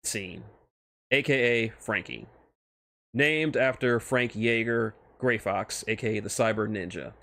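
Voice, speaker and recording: A man streaming casual commentary on his own fictional characters, halting and often restarting his phrases as he explains. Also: on the low side, sharp tone.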